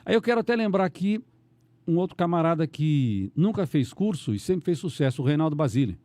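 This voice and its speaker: A middle-aged Brazilian man, a radio announcer, chatting on a podcast in a rambling, animated way with many restarts. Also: on the high side, fairly quick, dry recording. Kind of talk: casual podcast conversation.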